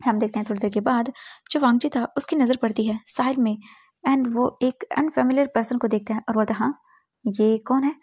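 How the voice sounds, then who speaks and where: A woman's voice: fairly high pitch, fairly even intonation, fairly quick, a little mellow, breathy edge, dry recording, clean studio sound. A woman narrating a fan story casually, mixing English words into her telling.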